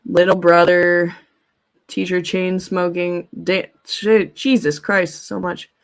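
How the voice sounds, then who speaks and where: A woman's voice: fairly low pitch, little pitch movement, slow. A woman hosting a casual livestream, rambling and thinking aloud in a blunt, informal way and swearing freely. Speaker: live streamer, host. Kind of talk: casual livestream chat, commentary, reading viewer comments aloud.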